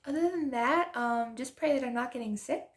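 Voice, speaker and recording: A woman chatting casually while she decorates a planner, soft-spoken and drifting into whispers, laughing often, her voice hoarse as she loses it. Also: a little high, moderate pace. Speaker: planner and journaling vlogger.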